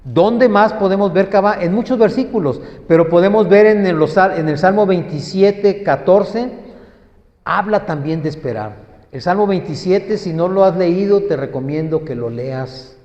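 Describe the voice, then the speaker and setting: A man preaching a sermon, teaching slowly and emphatically and putting questions to his listeners. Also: high-pitched, darkish tone. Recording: echoey hall, dull lo-fi sound.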